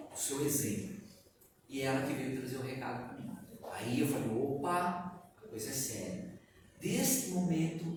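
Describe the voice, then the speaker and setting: A man with a Brazilian Portuguese accent giving a lively spiritist lecture to a live audience, asking them questions and chuckling often. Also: medium pitch. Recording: echoey room, far from the mic, background noise.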